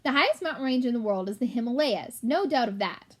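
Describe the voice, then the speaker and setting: Woman voicing a shrill, self-important white rat. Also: lively intonation, fairly quick. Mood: cautious, knowing.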